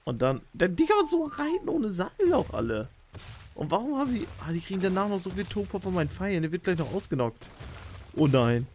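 A young man giving excitable, slangy commentary while playing a video game as a channel host. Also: high voice, brisk, a little hiss or hum. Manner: excitable, slangy, frequent exclamations. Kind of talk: let's play commentary.

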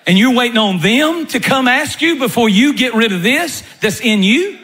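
A man preaching a sermon as pastor, emphatic, dropping his voice low when telling a story. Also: animated, normal speed, sharp tone.

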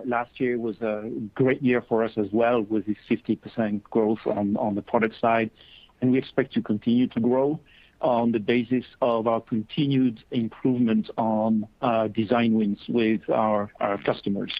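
A man answering as a company executive on an earnings call, measured and business-like with hesitant pauses. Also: mid-range voice, no room sound. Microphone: conference call line. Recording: dull lo-fi conference call audio.

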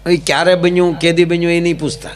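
A man's voice: on the high side, little pitch movement, fast. Man telling stage jokes. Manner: dry, rustic storytelling in village dialect. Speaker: folk comedian. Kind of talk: stage joke storytelling.

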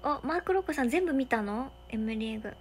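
Young woman streaming from a hotel room, reads out viewer comments, kinda high voice, goes whispery now and then. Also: animated, fast, slight background noise. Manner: chatty, thanks viewers one by one, drops into soft whispers. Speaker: livestream host. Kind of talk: casual livestream chat, reading viewer comments.

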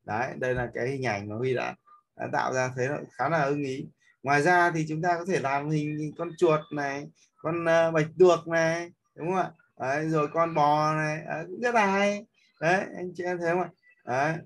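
On the high side, his voice is steady and fairly bright, delivered at a moderate pace. He is an instructor teaching an app step by step in a screen-recorded tutorial, with many fillers and repeated checks that listeners follow along.

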